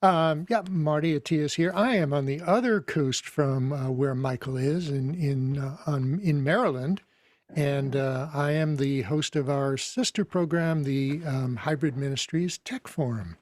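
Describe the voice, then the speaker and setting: A man gives a casual introduction on an online panel. His voice is fairly high and the sound is dry, with no room echo. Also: unhurried, a little mellow. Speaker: panelist and program host.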